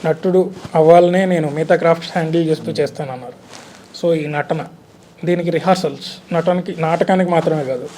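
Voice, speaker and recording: High-voiced, quick male interviewer. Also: fairly even intonation, warm tone. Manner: probing, persistent questioning. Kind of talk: casual interview questions. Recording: faint background noise.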